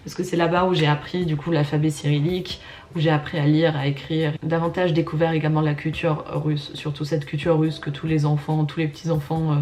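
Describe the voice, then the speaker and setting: A woman's voice: deep voice, flat delivery, a little fast, darkish tone, a little hiss or hum. A woman in her twenties telling her own story in a chatty, casual way, with lots of fillers and bursts of emphasis. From Germany and France, Russian-Canadian. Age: 20s. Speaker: vlogger.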